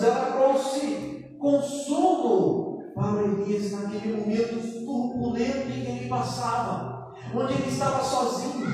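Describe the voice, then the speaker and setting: A man preaching a sermon in a church, emphatic and repetitive, with a slow, sing-song cadence. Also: very high-pitched. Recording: echoey hall, voice far from the mic, faint music behind.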